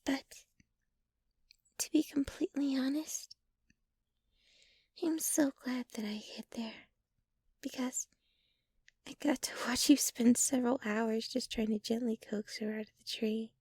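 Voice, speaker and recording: A woman playing a sweet, shy, obsessively devoted young girlfriend in an ASMR roleplay, speaking softly and bashfully, often close to a whisper. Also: fairly high pitch, steady tone, no echo. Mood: tender, bashful. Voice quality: soft, breathy, often near whisper. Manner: bashful, giggly, halting, gushing. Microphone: close microphone, dry sound.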